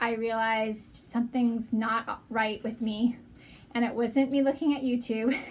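At a fairly slow pace, a woman speaks with high pitch and fairly even intonation. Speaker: mother vlogger. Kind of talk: casual vlog chat. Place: home room. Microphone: phone near.

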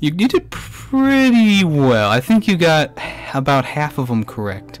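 A man speaks fairly slowly, with music playing behind him. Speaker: podcast host. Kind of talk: casual interview conversation.

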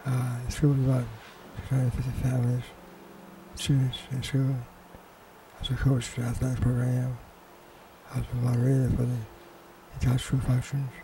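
A man speaks at a fairly quick pace in a monotone with flat intonation, with light background noise behind him. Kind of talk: interview answer. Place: home room. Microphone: handheld.

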